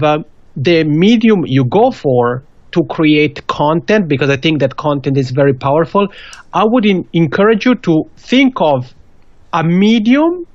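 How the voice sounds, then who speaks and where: A Swiss man in his thirties, not a native English speaker, gives earnest advice with a Swiss accent as a podcast guest on a video call. His voice sits on the high side. He's in a small indoor room using a studio mic with a pop filter, and the call audio is dull and dry.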